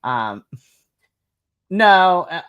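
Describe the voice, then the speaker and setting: A woman's voice: fairly low pitch, very animated, very slow, muffled recording. Woman co-host, giggly, enthusiastic, chatty, casual wrestling recap. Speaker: podcast co-host.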